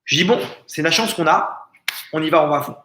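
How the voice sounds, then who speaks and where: A man's voice: fairly high pitch, brisk, pushed and bright, roomy sound, slight background noise. A rabbi giving a lesson in a family home, telling a story and acting out the people he quotes. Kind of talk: Torah lesson told as a story.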